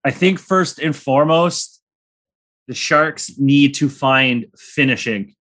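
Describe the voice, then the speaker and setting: A man's voice: mid-range voice, slow pace, fairly bright tone. Rambling joking young male podcast host. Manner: joking, rambling, crude humor. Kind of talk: casual sports chat.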